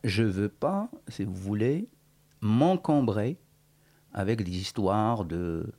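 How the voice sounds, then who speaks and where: A Moroccan writer in his forties, a guest in a radio interview, talks thoughtfully with many hesitations and restarts. His lowish, mellow voice is slow with lively intonation.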